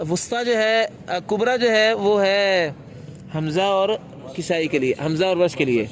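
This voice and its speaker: A man's voice: high voice, slight background noise. A man teaching a class on the rules of Quran recitation, asking his students questions and answering them himself. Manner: briefly chants a recitation demonstration.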